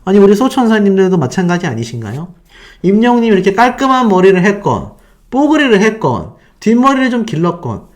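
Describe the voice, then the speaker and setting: A man hosting a fan channel, excitedly retelling events and throwing rhetorical questions at his viewers. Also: high-pitched. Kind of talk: animated storytelling to viewers.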